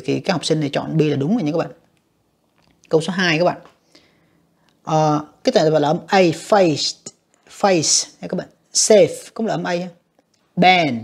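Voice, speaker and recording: A woman's voice: low-pitched, a little mellow, husky. A woman teaching an exam walkthrough, talking patiently with frequent fillers and repeating words as she explains. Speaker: English teacher.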